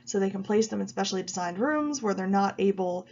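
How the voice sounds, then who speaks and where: A woman giving a recorded video lecture while she has a cold, explaining at an even pace with frequent ums. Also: mid-range voice, fairly quick, lo-fi sound, slight background noise. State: stuffy with a cold. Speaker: college psychology instructor.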